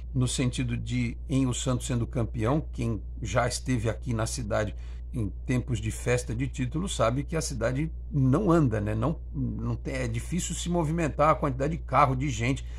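A man speaks in a very deep, low pitch with vocal fry. His intonation stays monotone and flat. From Brazil. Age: 40s. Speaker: sports journalist and football channel host; football commentator. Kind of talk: solo football commentary video; commentary. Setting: radio studio. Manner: hesitant fillers. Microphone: webcam.

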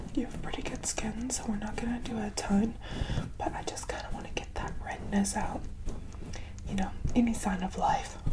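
A soft-spoken woman whispers at a moderate pace with long, frequent pauses. Noticeable background noise runs underneath. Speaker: makeup vlogger. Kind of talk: casual makeup tutorial chat. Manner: soft close ASMR whisper. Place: home room. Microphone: phone near.

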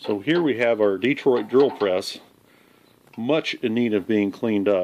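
A man speaks at a moderate pace. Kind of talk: casual workshop commentary. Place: workshop. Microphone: phone near.

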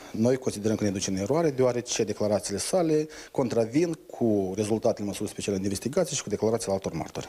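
This man speaks at a very fast pace in a dark, mellow tone, his medium pitch carried by lively intonation. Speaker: prosecutor. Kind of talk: official statement. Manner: halting. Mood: serious, official.

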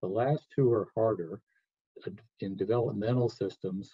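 A somewhat breathy man with ordinary pitch variation, set against a quiet background. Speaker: biology professor. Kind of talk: pre-recorded lecture. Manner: fast. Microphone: webcam.

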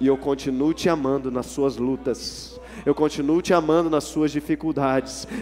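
Over music in the background, a man with a fairly high pitch talks at a moderate pace in an animated tone. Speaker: pastor. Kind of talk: sermon. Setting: church. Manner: animated, earnest preaching with emphatic repetition.

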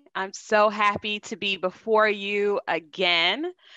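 A woman's bright, sharp tone, dry with no echo, over a quiet background. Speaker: event host. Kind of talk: formal announcements. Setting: video call. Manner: formal. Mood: warm, upbeat. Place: office. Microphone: headset.

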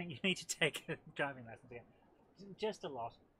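The speaker has an English accent and talks at a fairly quick pace. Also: woman. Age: 40s. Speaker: gaming streamer. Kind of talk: live gameplay commentary. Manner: animated.

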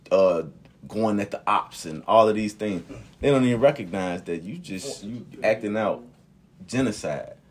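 A man speaks at a moderate pace in an ordinary speaking voice with ordinary pitch variation. His loudness swings widely. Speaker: religious organization representative; radio guest. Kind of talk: radio interview. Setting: studio. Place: studio. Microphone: studio mic.

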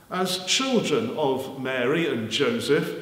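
Audible room echo surrounds a man as he talks. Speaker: preacher. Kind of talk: sermon. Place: church. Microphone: podium.

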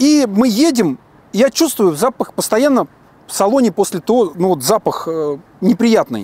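A man speaks fairly slowly in a high pitch, his tone dark and mellow. His pitch swings very widely, and the sound is dry with no echo. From Russia, Tula region; Russia. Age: 30s. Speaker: car owner giving a review. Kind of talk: casual interview. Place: street. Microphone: lapel.

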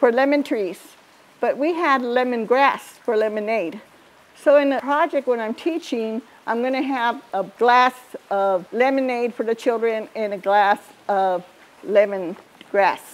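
A woman with an American accent speaks in a high pitch with lively intonation. Her fairly slow delivery has long, frequent pauses. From Southern California, Tongva people. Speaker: Tongva elder and culture officer. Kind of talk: educational talk. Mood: calm, gentle storytelling.

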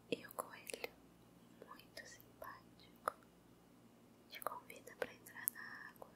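A woman whispers. Her pace is very slow. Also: big swings in loudness. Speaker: storyteller. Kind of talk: whispered guided relaxation story. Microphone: studio mic.

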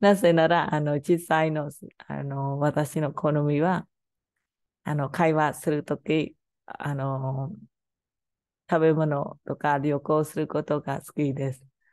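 A woman speaks at a very slow pace with a very deep, low pitch and fairly even intonation, pausing long and often. Her loudness swings widely, and the sound is dry with no echo over a quiet background. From Cambodia. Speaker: language teacher. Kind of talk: language lesson. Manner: halting. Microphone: webcam.

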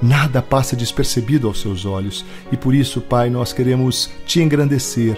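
Music plays behind a man who speaks at a moderate pace and medium pitch with ordinary pitch variation. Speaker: voice-over narrator. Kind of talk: spoken prayer.

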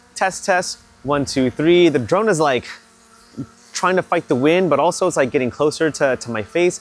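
At a moderate pace, a man talks with a fairly high pitch and ordinary pitch variation.

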